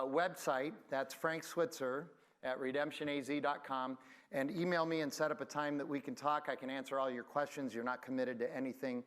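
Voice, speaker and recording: Brief: man, pastor, relaxed announcements, fillers, voice on the higher side. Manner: friendly, conversational, with many fillers. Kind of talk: church announcements before sermon.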